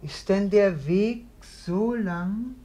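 An actor playing a bored, melancholy young prince in a radio play, declaiming lyrically. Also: male voice, sits high, very slow, mellow. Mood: melancholy, rapt. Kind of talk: theatrical German radio play acting.

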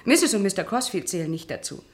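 Villa lady, average pitch, cool temper, formal explanations, composed, radio crime drama. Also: very animated, fast talker. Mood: cool, explanatory. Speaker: actress.

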